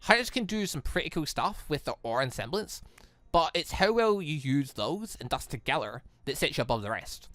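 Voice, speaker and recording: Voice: medium pitch, big pitch swings, brisk, a bit bright, no echo. A game streamer voicing a breezy, knowledgeable female hunter who explains the world to a student in a casual, confident way. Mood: matter-of-fact. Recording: music playing under the voice.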